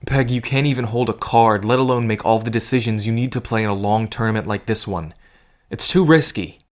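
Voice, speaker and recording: A man plays a protective cousin caught up in a gambling scheme. His voice sits fairly low and stays conversational. He speaks earnestly, with a dry wit, as in an intimate audio drama. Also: brisk, close to an everyday voice. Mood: firm, persuasive. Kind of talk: scripted audio drama acting, addressed to the listener.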